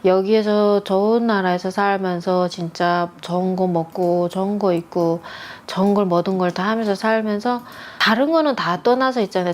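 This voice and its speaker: A middle-aged woman from North Korea, a guest telling personal stories in a calm, quiet, gentle way. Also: medium pitch. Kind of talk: soft-spoken personal storytelling.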